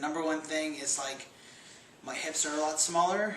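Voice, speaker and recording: Over noticeable background noise and audible room echo, a man speaks at a fairly slow pace with monotone, flat intonation. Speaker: vlogger. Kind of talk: casual vlog update. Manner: casual, filler-heavy.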